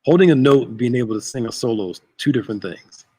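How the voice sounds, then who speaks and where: A man in his thirties with a husky, slightly rough voice hosts a relaxed chat show. He jokes easily and keeps greeting viewers as they arrive, chatty and informal. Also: medium pitch, quick pace. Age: 30s. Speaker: host. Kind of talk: casual livestream chat.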